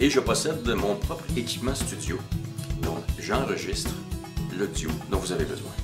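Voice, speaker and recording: Loud music sits behind a man who speaks with long, frequent pauses. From Quebec, Canada. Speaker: voice actor. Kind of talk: casual talk to camera. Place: studio.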